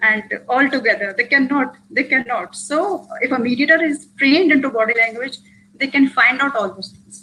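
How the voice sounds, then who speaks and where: A high-pitched woman's raised, projected voice, bright and sharp in tone, with big swings in loudness, ordinary pitch variation and a moderate pace. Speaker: mediator presenting a webinar talk. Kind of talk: lecture.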